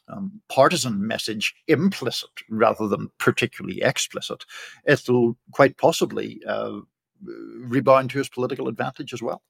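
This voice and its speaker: A man with a Northern Irish accent weighs in as a political columnist on a reporters' panel. His voice has a gravelly, creaky edge. He talks in a measured, analytical way and often restarts his sentences mid-thought. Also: mid-range voice, a bit bright. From Northern Ireland. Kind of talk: panel discussion commentary.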